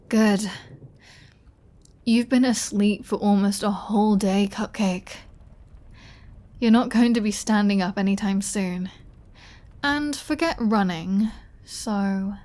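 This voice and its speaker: A woman acting as a flirty vampire who takes her time with every line. She is teasing and dryly sardonic, with a bossy streak, at a middling feminine pitch. The style is close, intimate ASMR roleplay drama. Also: darkish tone, lightly acted. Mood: teasing, smug. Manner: playful, teasing, dry, bossy.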